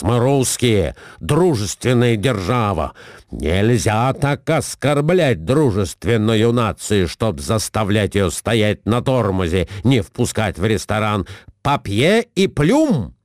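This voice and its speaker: Guy playing a low blustering husband, flustered and huffy, dry sound. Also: very animated, takes it slowly, dry recording. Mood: indignant. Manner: blustering, indignant, muttering.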